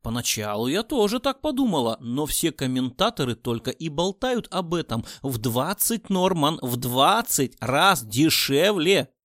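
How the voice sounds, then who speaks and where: A male narrator takes on a smug female assistant in a recorded thriller. She presses her point insistently with a knowing air, and the voice stays somewhat high and lively. The sound is close and dry. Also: measured pace, hardly any pauses, dry recording.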